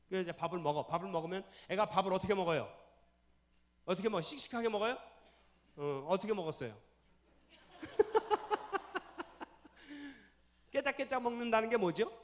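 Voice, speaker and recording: A man preaching a sermon in a church, animated, firing questions at the congregation and acting out scenes. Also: sits high. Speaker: pastor.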